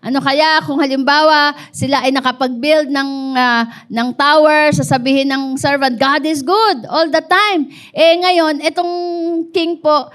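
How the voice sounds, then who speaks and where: A woman pastor with a Filipino accent delivers a sermon, shifting between Tagalog and English. Her voice sits very high, and she tells stories with lively call-and-response to the congregation. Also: measured pace. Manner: animated storytelling with call-and-response.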